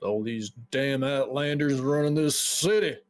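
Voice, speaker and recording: A man's voice: medium pitch, a little slow, close to an everyday voice. A man voicing a bitter working-class male woodcutter who grumbles coarsely about the city's rulers. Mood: resentful.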